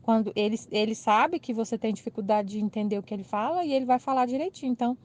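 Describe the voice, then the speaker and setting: A woman's voice: on the high side, fast. Chatty Brazilian woman telling a story. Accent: Brazilian Portuguese. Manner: animated, laughing retelling with quoted dialogue. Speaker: channel host. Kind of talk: casual storytelling.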